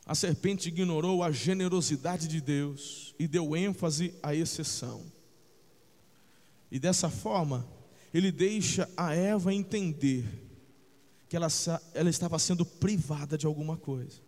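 Preaching a little slowly in a big-room sound, this man pastor alternates between shouting and low, intense stretches. He addresses listeners as "brother" and makes sure they're keeping up with him.

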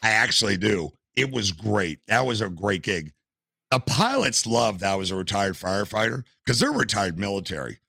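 A retiree from the States holds forth as a podcast guest, all anecdotes and asides. His voice sits low with a gravelly edge and a bright, forceful bite. The sound is close and dry, with no room around it. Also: normal speed, no echo. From United States. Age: older. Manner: animated anecdotal storyteller. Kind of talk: casual storytelling interview. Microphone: headset.

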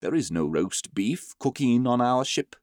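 A man plays a kindly storybook doctor with lively, rising and falling pitch. The sound is close and dry. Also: measured pace, dry recording, close to an everyday voice. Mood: startled. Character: kindly, animated gentleman doctor, adult man. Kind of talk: storybook character voice.

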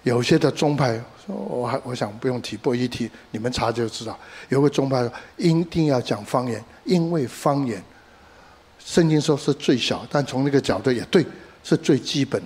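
A middle-aged man preaching from the pulpit, his voice sitting at an ordinary middle pitch. He leans hard on key phrases and slips English words into his sentences. Between points he tells stories in a conversational way. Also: moderate pace. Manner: code-switches with English words, animated emphasis, storytelling asides. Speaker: pastor. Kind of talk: sermon.

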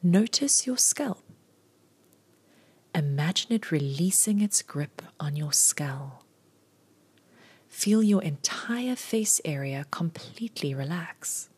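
A woman leading a scripted guided body scan meditation in a breathy near-whisper, giving soothing, unhurried instructions in short phrases. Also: deep voice, lively intonation, a little mellow.

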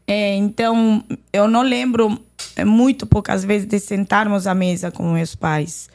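A woman from Lebanon, raised in Argentina, with an accent mixing Arabic and Argentine Spanish, giving her personal testimony on a podcast in a halting way with many restarts. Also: mid-range voice, steady tone, a little mellow. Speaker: podcast guest. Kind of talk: personal testimony in casual conversation.

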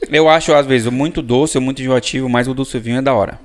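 A man's voice: medium pitch, steady tone, a little fast. A man with a Brazilian Portuguese accent co-hosting a live podcast, playful and teasing. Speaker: podcast co-host. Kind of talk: casual live podcast chat.

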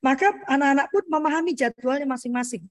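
A middle-aged woman speaking as a parenting guest in a casual interview, animated and explanatory, often ending her points with "gitu ya" and addressing the host as "Pak". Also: high-pitched, quick pace. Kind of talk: conversational interview talk.

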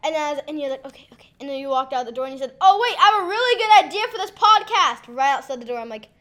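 A woman's voice: high-pitched, animated, racing, fairly bright tone. A teenage girl telling rambling family stories on a casual podcast, often giggling.

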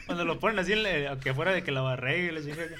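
A man's voice: on the high side, very fast, heavy background noise. A man, a podcast co-host in casual banter, throwing in jokes and laughing often. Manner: joking interjections, frequent laughter.

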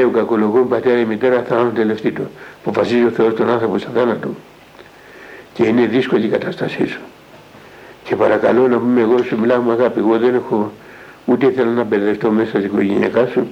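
An older man, an elder monk, retelling a conversation in a spiritual talk and tagging each line with "I say" and "he says". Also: mid-range voice. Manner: recounts dialogue, with constant "I say, he says" tags. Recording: dull lo-fi radio broadcast recording.

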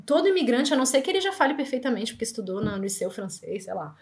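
A Brazilian woman in her thirties with a Brazilian Portuguese accent, telling lively anecdotes fast in an interview. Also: a little high. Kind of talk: casual storytelling.

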